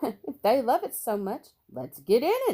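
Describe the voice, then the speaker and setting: This is a put-on character voice at a fairly high pitch. It moves at a moderate pace. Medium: read story.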